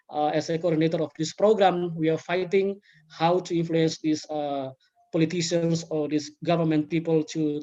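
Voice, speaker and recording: A man's voice: on the high side, darkish tone. Man from Timor-Leste, native Tetun speaker, webinar panelist, hesitant and restarting, muffled lo-fi call audio. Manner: halting, many restarts and fillers. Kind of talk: answering questions in a webinar.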